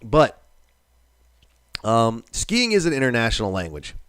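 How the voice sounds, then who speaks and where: A man's voice: mid-range voice, huge pitch swings, unhurried, fairly bright tone, clean tone, no echo, clean studio sound. A man in his thirties from New England, hosting a live stream in casual, rambling chat, swearing now and then and reading viewer comments aloud.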